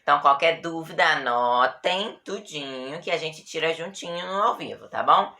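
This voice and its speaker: A woman's voice: low voice, expressive, normal speed, pushed and bright. A woman teacher with a Brazilian Portuguese accent gives a grammar lesson patiently, stretching out example words and often checking with her students.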